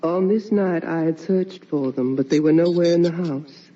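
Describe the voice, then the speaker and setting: An actress playing the mournful, tender ghost of a wife and mother in a theatrical, hushed radio drama monologue. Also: fairly low pitch, steady tone, natural voice. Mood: hushed, suspenseful. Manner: slow, hushed, theatrical delivery. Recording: muffled old radio recording, distant mic.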